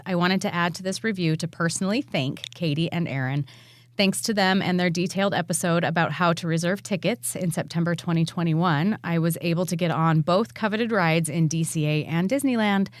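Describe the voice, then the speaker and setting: A woman co-hosting a podcast, easygoing and quick to laugh, reading listener reviews and going over news. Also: on the low side, dry recording. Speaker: podcast co-host.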